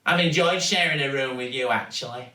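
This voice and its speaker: Give me a man doing a big, defensive storybook bully girl, awkward and pitched up, distant in an echoey room. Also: brisk, pushed and bright, natural voice. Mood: awkward, hopeful.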